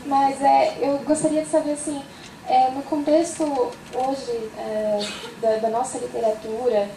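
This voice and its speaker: A woman's voice: high voice, level tone, unhurried, creaky, warm tone. A woman with a Brazilian accent asking a question from the audience, nervous and stammering, with shaky laughs. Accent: Brazilian Portuguese. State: nervous, trembling. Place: university auditorium. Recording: echoey hall, distant voice, background noise.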